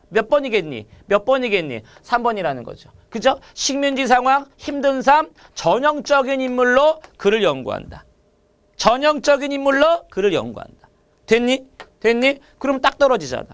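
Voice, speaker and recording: A man teaching literature in an online exam-prep lecture, repeating key points and firing quick questions at his students. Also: very high voice, sing-song.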